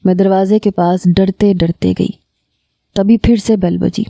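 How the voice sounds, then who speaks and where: A woman reading a first-person story aloud in a steady, emotive way. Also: mid-range voice, creaky, no room sound.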